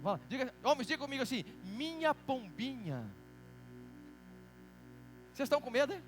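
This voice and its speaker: A Brazilian pastor with a very high voice preaches in a lively, teasing way and pulls the congregation into call-and-response. Soft music plays under his voice. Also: racing. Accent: Brazilian Portuguese. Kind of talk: sermon. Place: church.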